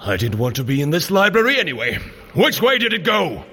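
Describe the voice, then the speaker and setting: An actor playing a gruff, heroic, gullible warrior god in an audio drama, blunt and bombastic. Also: male voice, a little high, very animated, brisk, bright, forceful tone, exaggerated voice. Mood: sceptical, exasperated. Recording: noisy, echoing hall reverb.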